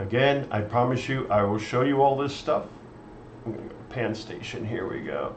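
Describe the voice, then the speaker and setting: Amid audible room echo and noticeable background noise, a medium-pitched man talks at a moderate pace with fairly even intonation. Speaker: music producer. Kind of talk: tutorial. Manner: casual, chatty.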